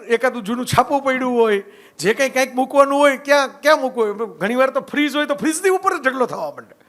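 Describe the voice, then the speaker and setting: Giving a storytelling public talk, a middle-aged man from Gujarat, India, speaks in a very high-pitched, fairly bright voice. His lecture is conversational, mixing stories with reflection, and he keeps turning to the audience with "right?"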